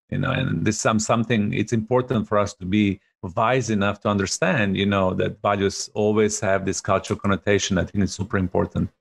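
A middle-aged man hosts a coaching discussion over a video call. He speaks in an earnest, emphatic way, stressing what he finds important, and his voice sits slightly low for a man. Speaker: host, coach. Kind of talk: panel discussion.

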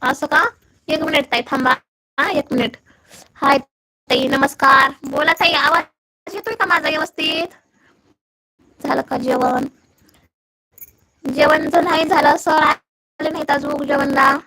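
A young Marathi-accented woman chats casually on a phone live stream, her voice high and bright. She greets viewers by name and keeps checking that her sound is coming through clearly. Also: steady tone, unhurried, long pauses, low-quality recording.

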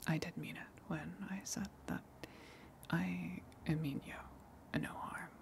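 A woman voicing a gentle, lonely female tentacle monster in a breathy, halting whisper, as an ASMR roleplay. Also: lowish voice, steady tone. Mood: calm, reassuring. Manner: soft, halting, reassuring.

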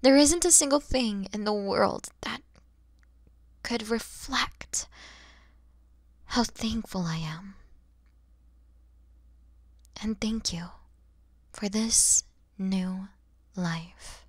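A woman voicing a kind, motherly mature dragon in an ASMR roleplay, speaking softly and breathily with tender, soothing warmth. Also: mid-range voice, drawn-out words, pauses often, dry recording. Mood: grateful, gentle. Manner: soft, breathy, soothing, often near-whispered.

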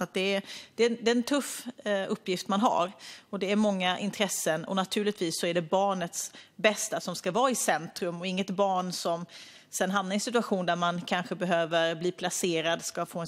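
A middle-aged woman minister giving a measured parliamentary debate speech with many hesitations, speaking into a podium microphone in a parliament chamber. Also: medium pitch. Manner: measured, hesitant with frequent fillers. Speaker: government minister.

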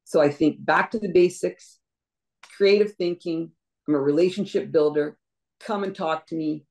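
A woman's voice: low-pitched, normal speed, a little mellow. A middle-aged woman, a deputy mayor running for office, answering earnestly over a video call from her home, often repeating words. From Canada. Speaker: deputy mayor, election candidate. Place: home room indoors. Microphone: laptop webcam on video call.

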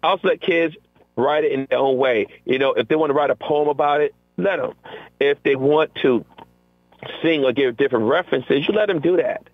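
A man's voice: fairly high pitch, brisk, no room sound. A middle-aged male teacher speaking as an interview guest, talking energetically and acting out what he and his students say. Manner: energetic, acts out quotes from classroom exchanges. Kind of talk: conversational interview. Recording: tinny phone-line audio.

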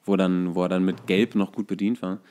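Lowish-voiced man in casual sports chat. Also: little pitch movement, a little fast, dark tone, smooth. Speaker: podcast co-host.

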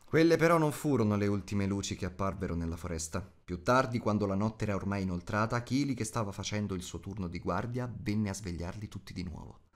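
A man narrates an audiobook in a fairly low voice. His delivery is scripted storytelling, read aloud. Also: a little fast.

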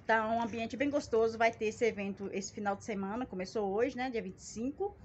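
A Brazilian plant channel vlogger in her forties chats casually to her phone held at arm's length, in a folksy, self-mocking, jokey manner. Her voice is a little high and fairly quick. She's in a small outdoor yard full of plants by a wall, and the phone audio is dull with background noise.

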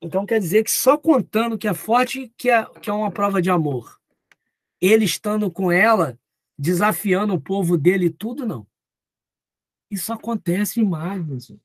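A man's voice: high voice, moderate pace, no room sound, clean studio sound. A man preaching at a live Bible study, talking conversationally and acting out little dialogues. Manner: conversational, acts out quoted dialogue.

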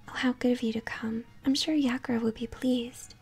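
A woman voicing a sweetly polite false queen in a game, a monster feigning hospitality in a breathy, genteel whisper. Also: fairly high pitch, steady tone, moderate pace, darkish tone, faint music behind, exaggerated voice. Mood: sweetly welcoming.

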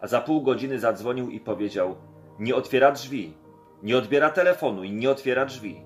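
A man's voice: mid-range voice, expressive, fairly quick, faint music behind. A man reading an audiobook chapter aloud, voicing the quoted dialogue expressively in his own voice. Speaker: audiobook narrator. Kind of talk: scripted audiobook narration.

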